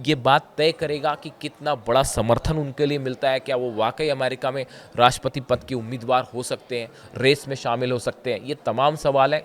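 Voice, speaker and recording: A hoarse man giving conversational news commentary straight to his viewers, pausing often and pointing things out as he explains. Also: medium pitch, a bit bright. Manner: conversational, often says "dekhiye", frequent filler pauses.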